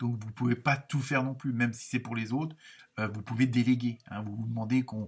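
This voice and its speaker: Talking at a fairly quick pace, a man has a medium pitch. His voice comes across somewhat breathy. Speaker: tarot card reader. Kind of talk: tarot reading monologue. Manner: halting, many fillers.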